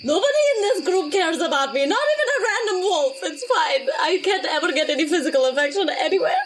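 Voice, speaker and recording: A woman's voice: very high-pitched, animated, fast talker, low-quality recording. A woman playing a whiny, self-pitying adventurer who craves affection, complaining dramatically in a tabletop game. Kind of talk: tabletop roleplay.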